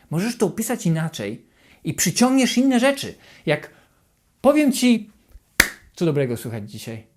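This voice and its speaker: Addressing the viewer directly, a self-help channel host gives an animated, repetitive motivational talk at medium pitch, asking and rephrasing questions again and again. At times the voice drops to a hushed, anxious tone to act out inner thoughts.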